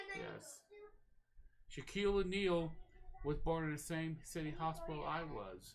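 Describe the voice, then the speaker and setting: An American accent marks a man's fairly high voice, which moves at a fairly slow pace with long, frequent pauses and ordinary pitch variation amid audible room echo. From New Jersey. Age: 60s. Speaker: father of the channel owner. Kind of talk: casual chat. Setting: live stream.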